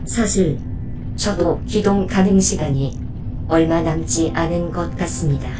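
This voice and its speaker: A woman voicing a loyal, protective robot companion in an audio drama, speaking in a formal, polite, measured way. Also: low-pitched, over music, poor audio. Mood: calm, gentle.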